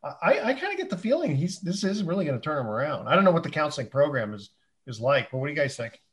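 A man from Northern California hosting a casual sports talk show, animated and quick to laugh. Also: fairly high pitch. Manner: animated, lively, laughs easily. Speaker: host.

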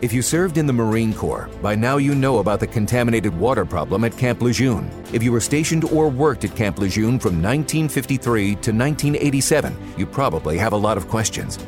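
A man's voice: medium pitch, expressive, a little fast, few pauses, music in the background. A man reading a scripted radio advertisement in an earnest, serious tone. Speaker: ad announcer.

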